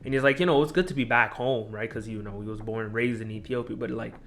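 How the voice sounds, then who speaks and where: A young man, a podcast guest, telling a personal story in a halting, disjointed way, full of restarts. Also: medium pitch, fairly bright tone. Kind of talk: casual conversation.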